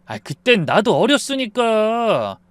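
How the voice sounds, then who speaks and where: A sneering, arrogant husband, drunk and quick to anger, from an audio story, played by a male reader. His voice rides high and strained, jumping around as he shouts. The recording is dry and close. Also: sing-song, no echo, full character voice. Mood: shouting.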